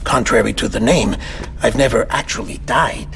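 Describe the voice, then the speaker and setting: A man's voice: medium pitch, moderate pace, vocal fry, a bit bright, slight background noise. An actor playing an eccentric, talkative male doctor who used to be a coroner, in a game cutscene. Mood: reassuring. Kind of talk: video game cutscene acting.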